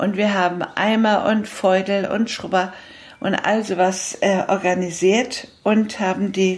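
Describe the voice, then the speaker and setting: The speech moves at a fairly slow pace with fairly even intonation over noticeable background noise. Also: woman. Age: 70s. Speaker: grandmother, former church youth worker. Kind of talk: interview.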